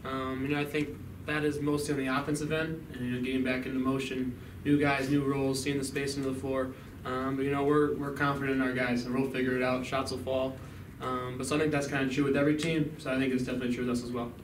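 Fast-talking young man in an echoey room. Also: mid-range voice. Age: young adult. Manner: steady, fluent, frequent "um, you know". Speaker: college basketball player. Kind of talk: postgame press conference answers. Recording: echoey room, mic at a distance, background noise.

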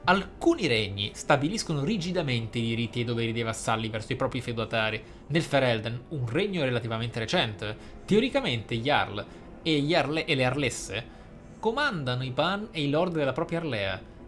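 A man reading game journal entries aloud for a let's play, measured and slightly theatrical, with short asides. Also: mid-range voice, sing-song, a bit bright, soft background music. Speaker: gaming YouTuber. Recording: clear background game ambience noise.

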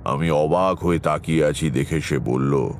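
An actor playing a middle-aged tantric astrologer, narrating his past in a measured, reflective way for a horror audio story. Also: rumbling low, darkish tone, slight background noise. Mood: measured, reminiscing. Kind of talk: dramatic first-person horror story narration. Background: background music.

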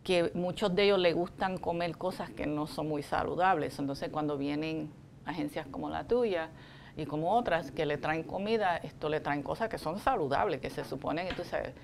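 Woman in her sixties, TV host, chatty, animated, lapel mic in a studio, lowish voice. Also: moderate pace, vocal fry, a little hiss or hum. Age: 60s. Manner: chatty, animated, with many fillers. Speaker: TV show host. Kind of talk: casual Spanish interview. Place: TV studio set.

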